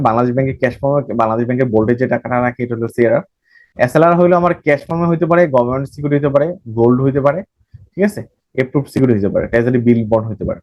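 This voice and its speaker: A man's voice: mid-range voice, a little mellow, no echo. A man from Bangladesh, giving a recorded banking lecture and repeating phrases as he explains. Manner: explains by repeating phrases, mixing in English terms, self-corrects. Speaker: banking exam tutor.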